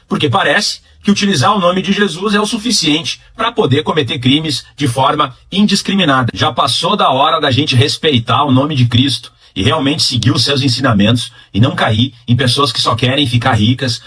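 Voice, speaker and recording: Political commentator man, husky and bright, sounds far from mic, sarcastic. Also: a little high. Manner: mocking, sings lines sarcastically.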